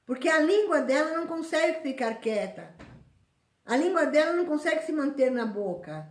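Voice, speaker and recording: A woman preaching a sermon in an animated way, acting out the complaints of other people. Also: high-pitched, moderate pace. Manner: animated, acts out complaining voices. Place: church hall. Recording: echoey church room.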